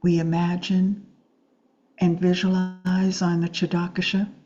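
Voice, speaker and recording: Female meditation guide: lowish, soft-toned and mellow, soothing, unhurried delivery with long pauses. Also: level tone, highs cut off, faint music behind. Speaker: meditation teacher. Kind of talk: guided Yoga Nidra meditation.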